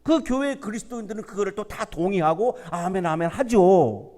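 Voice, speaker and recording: High-voiced male preacher in a reverberant church. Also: expressive, a little fast, darkish tone. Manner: conversational preaching, rhetorical questions. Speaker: pastor. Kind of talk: sermon. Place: university church sanctuary.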